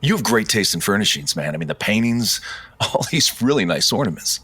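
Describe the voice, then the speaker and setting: Low, lively, flattering con man. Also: fairly quick, breathy edge, full character voice. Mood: falsely admiring. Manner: flattering, casual. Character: con man posing as friendly ride-share driver. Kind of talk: naturalistic audio drama dialogue.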